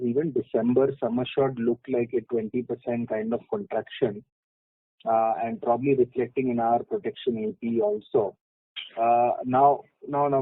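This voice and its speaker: A man with an Indian accent asks unscripted questions as a financial analyst by phone, halting as he picks his words. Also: mid-range voice, vocal fry, no room sound. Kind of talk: spontaneous call questioning. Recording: dry, narrow phone line.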